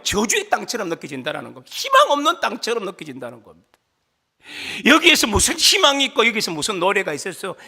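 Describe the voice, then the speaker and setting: A man preaching a sermon as pastor, animated, asking the congregation questions and leading them in reading, at times rising to shouts for emphasis. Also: very high voice, gravelly. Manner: asks the congregation questions and leads group reading.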